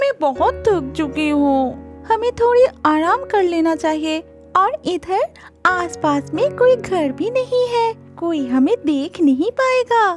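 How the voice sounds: A female-sounding, cartoonish character voice pitched extremely high talks at a fairly slow pace. Faint music plays in the background.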